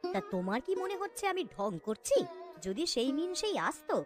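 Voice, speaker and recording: Lady doing a naggy bossy wife in a cartoon, lively swooping voice, music behind. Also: extremely high pitch, normal speed. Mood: scolding. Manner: scolding, insistent. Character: bossy, nagging wife demanding fish. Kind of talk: cartoon story dialogue. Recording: music under the voice.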